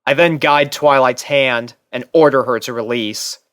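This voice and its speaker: A man narrates a first-person story from a script. His voice is lowish to medium in pitch, recorded dry and close with no room sound. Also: a little slow, a bit bright, clear, resonant tone, no room sound. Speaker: narrator and reader.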